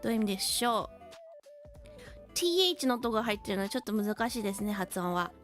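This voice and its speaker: A woman streaming a bilingual English lesson, reading chat and explaining words in slow, careful English and quick Japanese, laughing now and then. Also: medium pitch, very animated, a bit bright, soft background music. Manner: chatty, laughs often, reads chat comments. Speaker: VTuber English teacher.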